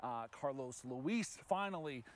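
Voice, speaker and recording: An American man hosting a casual sports chat, repeating himself and pausing as he finds his phrasing. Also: mid-range voice, animated. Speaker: sports director, show host.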